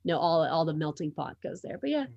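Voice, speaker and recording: Chatty woman with a lowish voice. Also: very animated, fast, gravelly, darkish tone, dry recording, highs cut off. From United States (Miami). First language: Portuguese. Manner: talkative, many ums and restarts. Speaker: guest, sports publisher. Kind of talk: casual interview chat.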